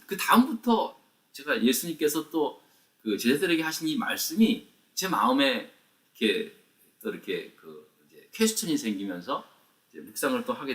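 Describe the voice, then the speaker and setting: A man's voice: medium pitch, fairly bright tone, distant mic. A man preaching a conversational sermon at a morning prayer meeting, asking the listeners rhetorical questions. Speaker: pastor.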